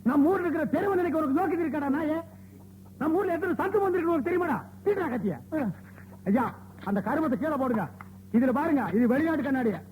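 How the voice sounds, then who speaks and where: A scolding, sarcastic village barber. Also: male voice, very high voice, quick pace. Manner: scolding, sarcastic, shouting insults. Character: bossy, short-tempered village barber man. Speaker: barber in a film comedy scene. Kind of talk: 1990 Tamil film comedy dialogue from cassette. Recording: noisy old cassette film audio.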